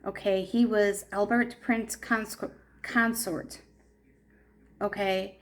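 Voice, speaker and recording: A woman talks slowly and unhurriedly, her pitch sitting in an ordinary middle range. She chats casually and hesitantly, pausing and correcting herself as she pieces together a story. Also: fairly even intonation. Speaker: tarot channel host. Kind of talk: casual explanation of history.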